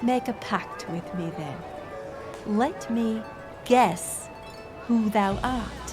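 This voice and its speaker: Curious, wry village woman, acted by a woman: high voice, slow measured archaic speech, teasing, music behind. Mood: playful, bargaining. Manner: teasing, measured, formal old-fashioned phrasing. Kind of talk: intimate archaic-speech audio roleplay.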